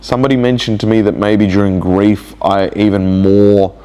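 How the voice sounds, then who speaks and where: A man recording a personal video diary, speaking in a slow, halting, reflective way with many restarts. He has a cold, and his nose sounds blocked. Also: fairly low pitch, flat delivery, mellow, clean tone. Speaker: vlogger.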